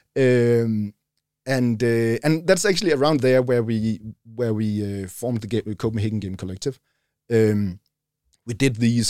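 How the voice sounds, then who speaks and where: A man with a Danish accent, a medium pitch, a dark, mellow tone and ordinary pitch variation, in a very clean recording with a silent background. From Denmark. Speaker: lead game designer. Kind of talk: casual chat. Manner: halting.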